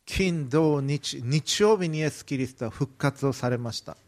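A man's voice: fairly high pitch, normal speed, darkish tone. A man preaching a sermon, retelling a Bible story vividly and briefly acting out the quoted lines. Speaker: pastor.

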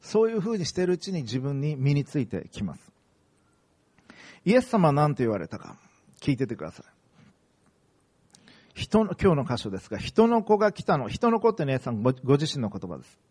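A man preaching a sermon as a pastor, speaking in measured phrases with pauses. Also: medium pitch, big pitch swings, a little mellow, husky.

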